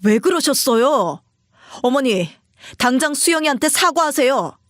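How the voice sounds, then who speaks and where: A woman's voice: a little high, lively intonation, moderate pace, dry recording, studio quality, natural voice. A woman voicing a weary, strained grown man who pleads with his mother in a subdued way.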